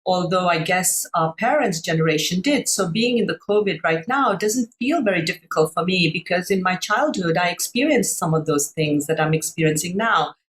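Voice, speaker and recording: A woman's voice: fairly low pitch, lively intonation, moderate pace, hardly any pauses, slight background noise, poor audio. A middle-aged woman from Sri Lanka, a coach talking thoughtfully about personal experience on a video call. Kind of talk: reflective conversation.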